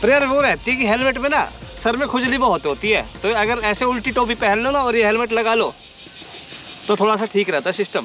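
A man projects a raised voice at a fairly quick pace, with very even loudness and ordinary pitch variation. The sound is dry with no echo, and faint music plays behind him. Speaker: vlogger. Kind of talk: casual vlog chat.

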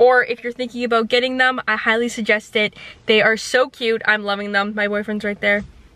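A woman speaks with a bright, sharp tone. Her intonation is monotone and flat. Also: dry sound with no echo. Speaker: vlogger. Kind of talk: casual vlog chat. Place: car. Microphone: phone near.

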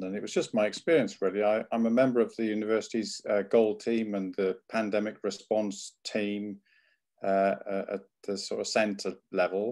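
A British accent at a moderate pace, against a quiet background. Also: man. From England. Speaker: university dean; panelist. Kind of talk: panel presentation. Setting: video call. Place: home room. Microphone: webcam.

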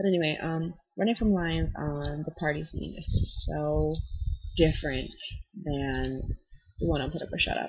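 A woman with an American accent at a moderate pace, over a quiet background. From Minnesota. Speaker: video blogger. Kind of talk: casual vlog chat. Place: home room. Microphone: webcam.

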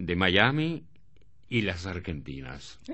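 Very slow speech comes from this man. His pitch swings across a very wide range. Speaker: radio host and announcer. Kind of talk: radio interview. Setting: radio studio.

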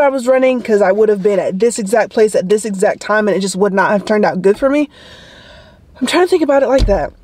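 Speaking with an American accent, a woman has a fairly high pitch and ordinary pitch variation. Her pace is very fast. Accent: Southern US, thick after work. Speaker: nursing student and vlogger. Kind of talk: casual vlog monologue. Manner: chatty, casual.

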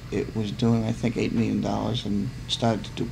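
A man delivers his words at a moderate pace while noticeable background noise runs underneath. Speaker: interviewee. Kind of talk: interview answer. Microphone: old recording.

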